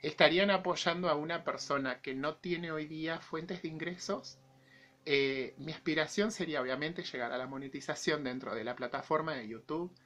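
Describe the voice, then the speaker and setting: An Argentine-accented man in his forties, a YouTube vlogger, speaks his mind directly to camera. His voice is a little high and a bit bright, showing the effects of an infection he's recovering from.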